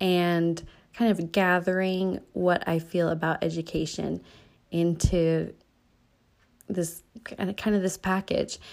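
A woman with a Western US accent and a fairly low pitch at a fairly slow pace, on a very clean recording with a silent background. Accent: American (Western US). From mixed: Germany, Canada and Idaho. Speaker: podcast host, former teacher. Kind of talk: solo casual monologue. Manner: frequent fillers (um).

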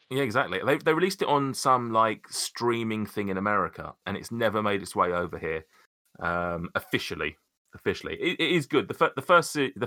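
On a very clean recording with a silent background, a man speaks at a medium pitch and a fairly quick pace. His tone is bright and sharp, with very wide pitch swings. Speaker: podcast host. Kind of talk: casual chat.

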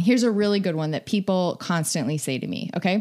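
A woman's very fast speech in a Michigan accent. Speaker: nurse podcast co-host. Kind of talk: casual chat. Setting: home studio.

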